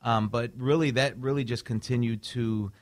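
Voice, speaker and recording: A man's voice: mid-range voice, steady tone. A man from Chicago, a mental health clinician, earnestly explaining his path as a radio guest. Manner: earnest, measured, some restarts. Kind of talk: radio interview answers.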